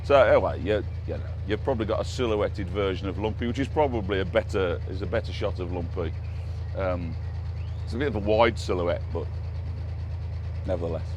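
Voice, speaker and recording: Deep-voiced Englishman over loud engine hum. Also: a little fast. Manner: jokey, bantering. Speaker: narrowboat vlogger. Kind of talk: casual chat, commentary while cruising. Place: outdoors on a narrowboat on a canal. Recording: outdoor recording with loud boat engine hum. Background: engine hum, outdoor noise.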